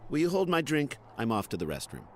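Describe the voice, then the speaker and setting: Fussy aggrieved husband, wildly swooping pitch. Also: male voice, wildly swooping pitch, quick pace, over loud music. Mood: matter-of-fact. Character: fussy, aggrieved wealthy husband, conspiracy-minded. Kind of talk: audio drama acting.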